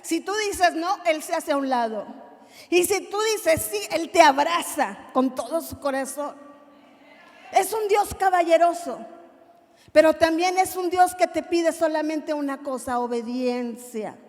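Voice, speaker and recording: A woman with a Mexican Spanish accent preaching a sermon, impassioned, moving from hushed to loud. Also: sits high, a little slow, in a large hall.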